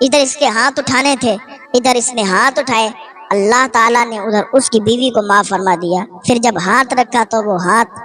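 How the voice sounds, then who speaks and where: Woman preacher, storytelling sermon, earnest and moralizing, fairly high voice, faint music behind. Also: a bit bright.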